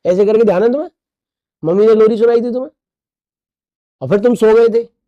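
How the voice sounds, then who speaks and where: A man's voice: sits high, a little fast, no echo, dull audio. A male teacher giving a recorded class, playful, repeating key terms and asking the class questions. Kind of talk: recorded online class lecture.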